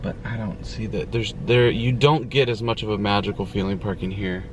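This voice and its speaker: A man chatting in a relaxed, easygoing way as co-host of a couple's vlog outdoors. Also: lowish voice, brisk. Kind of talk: casual chat. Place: outdoors near traffic and shuttles. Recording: outdoor street noise.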